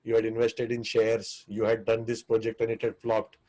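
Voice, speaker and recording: A man's voice: on the low side, monotone, normal speed, darkish tone, low-quality recording. A man with an Indian English accent giving a live online coaching session on the restaurant business, earnest and rambling, often restarting his sentences.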